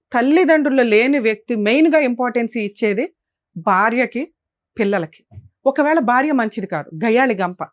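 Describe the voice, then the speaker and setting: A woman's voice: a little high, no echo. A woman advocate hosting a family dispute show, lecturing sternly and indignantly. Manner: scolding, emphatic, indignant.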